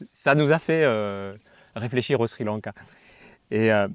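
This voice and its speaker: Male vlogger, French from France, low voice, casual storyteller chatting with a partner. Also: measured pace, smooth, dry recording.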